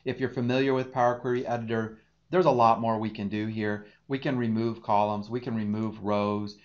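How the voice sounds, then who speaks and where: A man's voice: fairly low pitch, flat delivery, normal speed. Guy in his 30s doing a screen share tutorial, talks thru each click, kinda dull lo-fi sound. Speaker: data engineering instructor.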